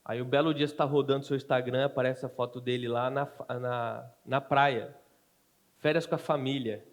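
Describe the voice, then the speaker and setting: A man from Brazil preaches a sermon as pastor, speaking at a mid-range pitch. He talks conversationally, acting out quoted everyday lines and often checking in with short tag questions. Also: fairly even intonation, moderate pace.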